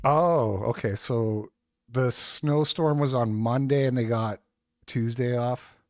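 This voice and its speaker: A man's voice: medium pitch, takes it slowly, no room sound. Easygoing man hosting, dry sound. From Saskatchewan, Canada. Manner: easygoing, chatty, laughs often. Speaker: podcast host. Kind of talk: casual livestream chat. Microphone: remote call setup.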